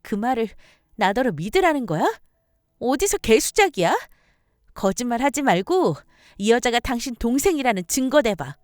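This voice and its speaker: A woman voicing a shocked, furious wife who hurls sharp accusations at her husband. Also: on the high side, very animated, moderate pace, dry recording, clean studio sound, voice pushed up.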